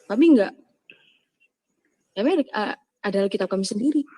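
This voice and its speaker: A woman's voice: mid-range voice, a little fast, warm tone. A woman, a Christian apologist preaching to her audience in an emphatic, scolding way full of rhetorical questions. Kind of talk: impassioned preaching in a live discussion.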